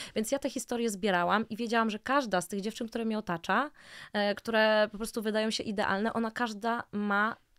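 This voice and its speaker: Against a quiet background, a woman with a plain, everyday voice talks at a fairly quick pace, her pitch fairly high and her intonation fairly even. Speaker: singer and music producer; podcast guest. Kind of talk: casual interview conversation. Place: studio. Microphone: studio mic.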